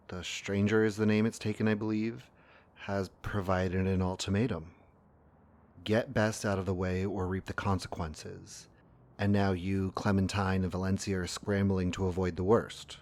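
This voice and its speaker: Audio drama partner, played by a man: deep, grave and gentle, tired and ailing, quietly knowing, measured delivery. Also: flat delivery. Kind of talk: fiction podcast acting.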